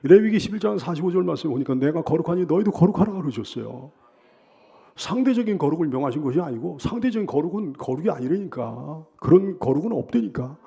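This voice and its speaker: A man's voice: on the high side, animated, fast talker, creaky, mellow, breathy edge. A middle-aged male pastor preaching a sermon, restating his points and building to emphatic bursts. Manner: repeats and restates phrases.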